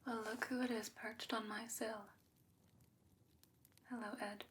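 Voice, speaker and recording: A woman voicing a wise, gently stern old sorceress in a soft, breathy ASMR fantasy roleplay, speaking in a measured, deliberate way. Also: on the high side, level tone, slight background noise. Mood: wry, sympathetic.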